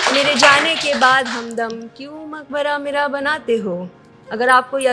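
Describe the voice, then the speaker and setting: A woman speaks in a high voice with ordinary pitch variation. Music plays in the background. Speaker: poet. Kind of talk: poetry reading. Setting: open mic stage.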